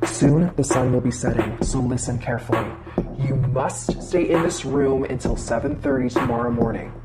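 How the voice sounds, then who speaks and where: A woman voicing a stern old woman protector who gives grave, commanding orders, with loud music under her. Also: a bass voice, normal speed, voice pushed down.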